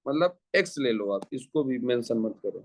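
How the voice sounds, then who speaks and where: A man's mid-range, expressive voice carries this chemistry class lecture at normal speed. Rhetorical questions and repeated phrases punctuate his step-by-step guidance for students.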